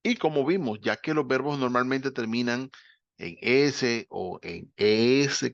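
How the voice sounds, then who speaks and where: Gravelly-voiced man teaching grammar. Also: medium pitch, a bit bright, dry recording. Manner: patient, explanatory, checks in with students. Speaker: English teacher. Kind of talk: explaining grammar in a class session. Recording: dull, dry lo-fi recording.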